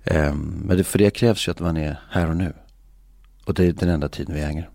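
A middle-aged man in a reflective interview, musing philosophically and often pausing with filler sounds. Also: rumbling low, steady tone, gravelly, warm tone, no echo, clean studio sound. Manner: hesitant, many filler sounds. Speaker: interview guest. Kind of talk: reflective conversation.

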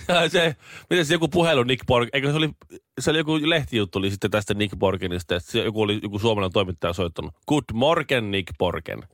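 A man's voice: on the low side, steady tone, a bit bright, no room sound, studio quality. A man in his thirties co-hosting a morning radio show, talking in a hesitant, rambling way. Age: 30s. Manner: hesitant, rambling, many restarts. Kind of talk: casual radio chat. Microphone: studio microphone.

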